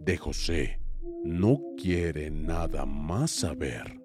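Deep, slow-paced male horror narrator. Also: animated. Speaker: narrator of paranormal stories. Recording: music bed under the voice.

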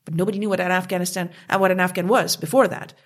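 A woman's voice: on the low side, fairly even intonation, very fast. A woman from Canada, speaking passionately and emphatically as an interview guest. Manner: passionate, emphatic, with rising outbursts. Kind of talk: conversational interview.

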